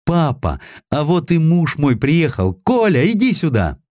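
A man's voice: a little high, huge pitch swings, measured pace, a little mellow, no echo, studio quality, voice pushed up. A man voicing a cheerful young upper-class lady in an audiobook, playful and affectionate, with a lilting delivery. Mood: joyful, calling.

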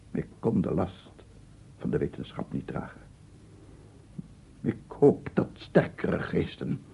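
A tormented, obsessive researcher in a radio drama. His low voice crackles with gravel as he rambles, repeats himself and breaks off. The sound is narrow and phone-like, like an old radio recording. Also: exaggerated voice. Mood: broken, yearning. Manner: halting, repetitive, rambling, from murmurs to loud declaiming. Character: unhinged, tormented male scientist, a visionary sound researcher. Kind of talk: radio play monologue.

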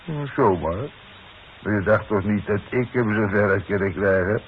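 A man's voice: on the low side, moderate pace, slightly rough. An actor playing a middle-aged, sly and bossy demolition foreman in a 1960s radio play, needling and smug. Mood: smug, amused. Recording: muffled, hissy 1960s radio recording.

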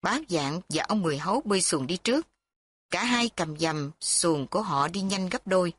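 A woman narrating a story with a steady, even reading. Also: fairly low pitch, moderate pace, breathy edge, no echo.

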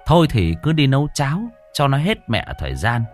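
A man's voice: mid-range voice, fairly quick, faint music behind. Man telling a ghost story. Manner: colloquial, lively.

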